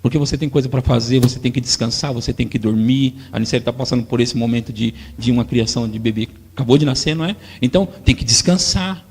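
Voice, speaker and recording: A man in his forties with a Brazilian accent, preaching a sermon as pastor and acting out parents and children in a husky voice. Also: mid-range voice, fast, hardly any pauses. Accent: Brazilian Portuguese. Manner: animated, acts out parents and crying children. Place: church hall. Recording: long church hall reverb.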